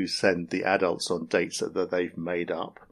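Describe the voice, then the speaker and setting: Recorded very cleanly against a silent background, a man with a British accent talks at a moderate pace. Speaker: podcast host and format consultant. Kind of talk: casual chat. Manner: humorous, laughs often.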